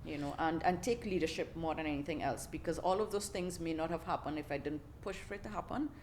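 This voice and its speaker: Woman, trinidadian accent, low deep voice, chatty and laughing, faint room noise. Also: fast talker, a little mellow. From Trinidad and Tobago. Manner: chatty, laughs often, many fillers and restarts. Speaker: podcast guest. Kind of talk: casual interview storytelling.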